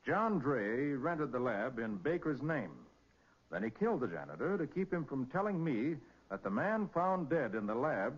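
A confident American male detective from a 1940s crime drama. He explains things with assurance in a lively, slightly rough-edged voice. The recording is old, muffled radio. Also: medium pitch, normal speed. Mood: assured, explanatory.

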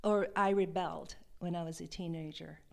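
A woman from Hawaii, a love and sexuality coach, talking in a soft, hesitant and reflective way as an interview guest. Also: on the low side, fairly even intonation, normal speed, creaky. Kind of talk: podcast interview.

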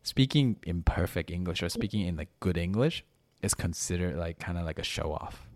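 A young man from Malaysia with a very deep voice, chatting loosely on a podcast. He rambles, restarting his sentences and leaning on fillers. The sound is dry and close. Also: animated, normal speed, darkish tone, no echo. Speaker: podcast host. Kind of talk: casual chat.

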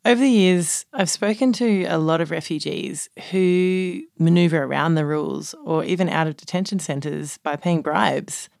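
Woman, reporter, narrated storytelling, gravelly, dry close mic. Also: low-pitched, normal speed, few pauses, no room sound. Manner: calm first-person storytelling. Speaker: reporter and co-host. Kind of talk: narrated documentary podcast.

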